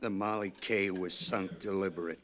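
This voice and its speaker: A man playing a scared, working-class merchant sailor in a 1950s radio drama, with rough, uneducated, wary speech. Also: sits low, fairly even intonation, moderate pace, fairly bright tone. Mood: reluctant, grave. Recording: muffled vintage radio recording.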